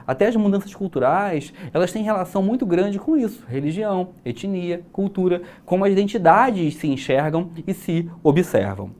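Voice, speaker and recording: A man's voice: high-pitched, mellow. A young Brazilian man teaching an exam-prep class, chatty and explanatory, asking rhetorical questions. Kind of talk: recorded exam-prep lesson.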